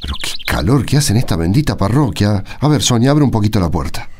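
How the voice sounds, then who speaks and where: A man's voice: on the low side, sing-song, fast talker, a little mellow. A man playing a kindly, weary village priest, fatherly and conversational, with an Argentine accent, in a radio drama. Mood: weary, resigned.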